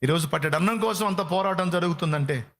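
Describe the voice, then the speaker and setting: A man's voice: high-pitched, a little fast, a bit bright. A man preaching a sermon with fervor, repeating phrases for emphasis. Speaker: pastor.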